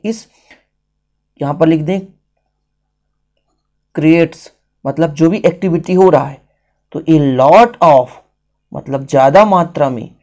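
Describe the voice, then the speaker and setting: A man's voice: on the high side, darkish tone. An Indian man teaching a writing lesson step by step, repeating phrases and switching languages as he explains each one.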